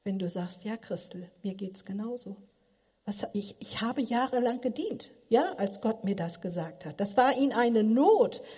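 A woman's voice: fairly high pitch, animated, a little slow, hardly any pauses, mellow, breathy edge. A middle-aged woman giving a sermon, asking her listeners earnest, probing questions. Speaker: preacher. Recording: long hall reverb.

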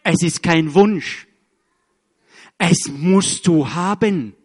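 Slow, earnest man giving church testimony. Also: a little high, husky, in a large hall. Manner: earnest, animated storytelling with acted quotes and repetitions.

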